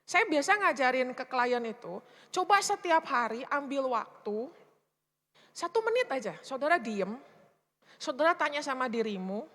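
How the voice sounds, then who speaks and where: A woman's voice: sits high, animated, moderate pace, pushed and bright. A middle-aged woman speaker and counselor giving a casual, chatty sermon, often asking the congregation questions. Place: church hall. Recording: reverberant church hall.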